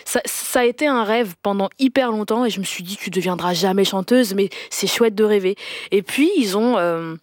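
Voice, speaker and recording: Young woman from belgium chatting about her singing, mid pitch, lively, lots of restarts, dry close mic. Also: moderate pace, no echo. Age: young adult. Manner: lively storytelling, frequent restarts and laughs. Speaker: singer, guest. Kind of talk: casual interview chat.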